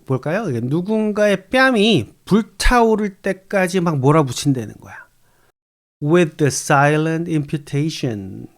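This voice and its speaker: A man whose first language is Korean teaches English with a rather high voice, reading lines from an English short story super slowly before breaking them down in Korean.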